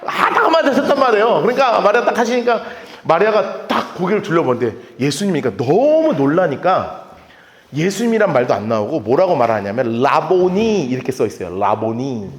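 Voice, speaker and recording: Male pastor, animated sermon delivery, high and expressive, echoey church sanctuary. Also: fairly quick. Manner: animated, lively storytelling with acted-out quotes and laughter. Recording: echoey church hall with long reverb.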